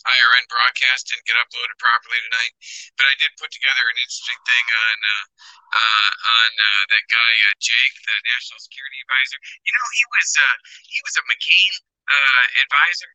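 Guy on a livestream call through a weak bluetooth headset, sounds like a tin can, bright thin voice, stumbles over his words. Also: no room sound. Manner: halting, many fillers. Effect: muffled tinny sound from a low-battery wireless headset mic. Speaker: remote guest on a livestream. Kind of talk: casual political chat. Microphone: wireless headset over a call. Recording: dull lo-fi headset audio, dry.

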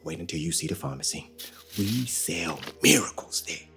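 An actor in an audio drama playing a young enslaved father who talks in a calm, plainspoken drawl. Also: low voice, normal speed, soft background music. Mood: steady. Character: young enslaved male father, steady and hopeful.

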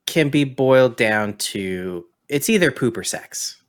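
Male co-host, deep-ish voice, dry teasing humor, casual. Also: animated, unhurried. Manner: teasing, wry. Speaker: podcast co-host. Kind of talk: casual chat.

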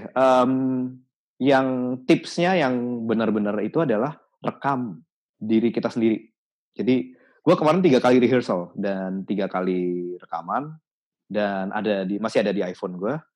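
A man in a casual podcast chat, explaining his advice thoughtfully with many pauses and restarts. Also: fairly low pitch, animated, a little mellow. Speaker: podcast guest.

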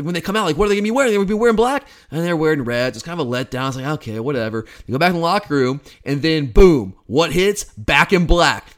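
Male podcast host, 30s, fast and slightly high, emphatic and excitable. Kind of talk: casual sports podcast monologue.

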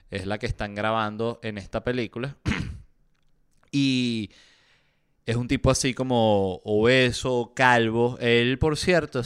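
Casual male podcast host, sarcastic and chatty, mid-pitched, very clear. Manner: chatty and sarcastic, frequent fillers. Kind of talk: casual pop-culture news chat.

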